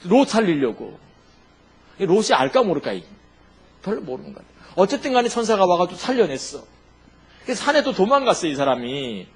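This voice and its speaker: A man's voice: high voice, big pitch swings, brisk, slightly rough. A man preaching a sermon as a pastor, asking the congregation questions and answering them himself.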